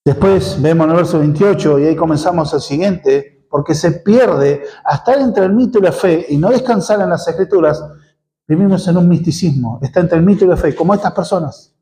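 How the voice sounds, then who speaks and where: Preaching an expository sermon in church, a male pastor with a Rioplatense Argentine Spanish accent poses rhetorical questions as he explains. His voice is fairly high and dark-toned, and he talks briskly. The recording is rough.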